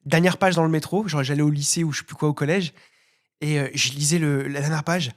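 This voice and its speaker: A man's voice: fairly high pitch, steady tone. A man co-hosting a casual film podcast, telling stories with playful enthusiasm. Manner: enthusiastic storyteller, quick, playful. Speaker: podcast co-host.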